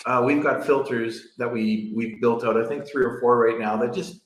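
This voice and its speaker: A man hosts a podcast in a relaxed, joking way and laughs easily at himself. His voice has a noticeable roomy echo around it. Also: medium pitch, normal speed. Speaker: podcast host. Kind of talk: casual podcast conversation.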